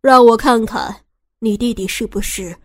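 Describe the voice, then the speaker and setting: A woman's voice: fairly high pitch, unhurried, no room sound, studio quality. A woman voicing a cold, menacing man who sneers and threatens, in an audio story. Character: cold, menacing middle-aged man with a shotgun.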